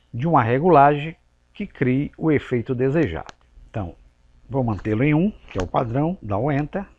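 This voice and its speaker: A man walks through a software tutorial at an unhurried, patient pace. His pitch sits in an ordinary middle range, and he drops in relaxed, casual asides to the viewer as he explains each step. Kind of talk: screen-recorded software tutorial.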